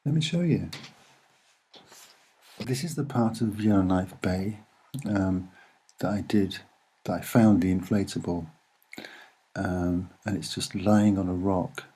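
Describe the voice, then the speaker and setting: A soft-spoken man with a husky voice, giving a casual, musing and hesitant commentary as he explains what he sees. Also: low-pitched, slow pace, long pauses. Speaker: video narrator.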